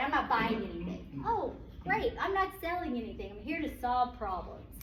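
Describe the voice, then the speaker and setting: Very wide pitch swings amid noticeable background noise and audible room echo. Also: woman. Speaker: sales trainer. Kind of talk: training talk.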